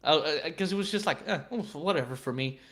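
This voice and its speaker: A man's voice: a little high, fairly quick, fairly bright tone. Rambling, cursing young man on a live stream. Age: 20s. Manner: rambling and profane, with frequent stammered restarts. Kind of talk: casual live-stream chat.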